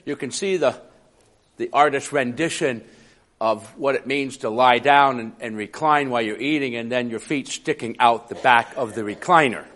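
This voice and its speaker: A man preaching a sermon in a conversational way, with a raspy, hoarse voice from a cough and chuckling asides. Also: mid-range voice, normal speed, fairly bright tone.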